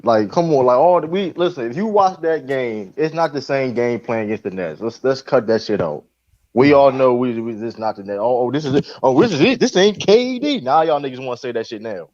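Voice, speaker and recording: A man arguing basketball on a live call-in show, animated and profane, talking over the others. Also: mid-range voice, a little fast, no room sound, highs cut off. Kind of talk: heated sports debate.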